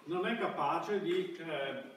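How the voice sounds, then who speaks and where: A middle-aged man giving a classroom lecture in a halting, hesitant way. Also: a little high, fairly bright tone. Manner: halting, hesitant delivery with broken-off words. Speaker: university lecturer. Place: university classroom, indoors. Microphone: far camera at back of room. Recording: echoey room, distant microphone, background noise.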